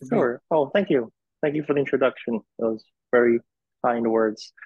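A man in his twenties speaks as an interview guest over a video call, with slightly muffled, dry sound. His pitch is average, and he explains things in a measured, matter-of-fact way. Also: husky, no room sound. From Korea and New Jersey. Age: 20s. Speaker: interview guest, graduate student. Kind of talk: casual explanatory interview talk. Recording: dull, lo-fi video call audio.

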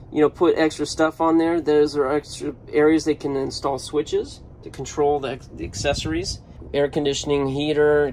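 A man's voice: on the high side, darkish tone, slight background noise. Chatty man filming on his phone. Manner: chatty, offhand, thinking aloud. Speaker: vlogger. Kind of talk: casual walkaround video. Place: inside a parked van. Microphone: handheld phone.

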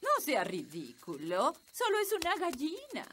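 Prim bossy cartoon fairy nanny, latin american spanish, formal and matter of fact, lively swoops. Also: female voice, high-pitched, unhurried, slight background noise, exaggerated voice. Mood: brisk, dry. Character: brisk, proper adult fairy nanny. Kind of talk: children's cartoon dub.

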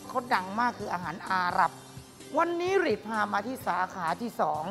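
A woman in her forties hosting a restaurant food show, chatty and sweet, talking with the chef in a bright dining room. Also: mid-range voice, sing-song, normal speed, soft background music. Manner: chatty, sweet, ends with polite particles.

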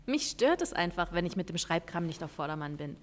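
Actress as an earnest, diligent police lieutenant. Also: female voice, fairly low pitch, sing-song, brisk. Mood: concerned. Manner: earnest, businesslike. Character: conscientious female police lieutenant, serious and diligent. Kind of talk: German audio drama acting.

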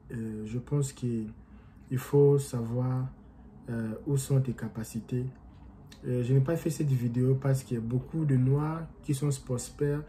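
A young man with a very dark, mellow voice and an accent gives an animated motivational talk straight to his camera. He rambles and restarts as he gestures, recorded in a small room at home with a faint hiss behind him. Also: mid-range voice. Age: young adult. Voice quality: non-native-sounding French accent, by his own account. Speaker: motivational vlogger.

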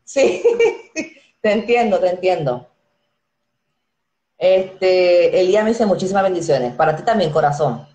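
A woman's voice: lowish voice, expressive, measured pace, pauses often, dark tone. A Dominican woman in her thirties with a Dominican Spanish accent, hosting a casual live stream, reading viewer comments in a friendly, chatty way. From Dominican Republic. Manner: chatty, friendly, reads names aloud and laughs easily. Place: small room indoors. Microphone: earphone headset mic. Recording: echoey room.

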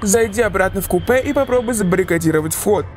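A woman's voice: mid-range voice, fast talker, darkish tone, faint music behind, pitched below the performer's own voice, lightly acted. A woman voicing a sceptical but concerned young man in a horror text-message story. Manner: questioning, mildly exasperated.

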